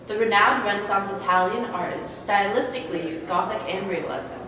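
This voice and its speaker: A woman acting as an interviewer in a scripted mock interview, asking eager questions and reading narration. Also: mid-range voice. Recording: echoey hall from far off, noisy.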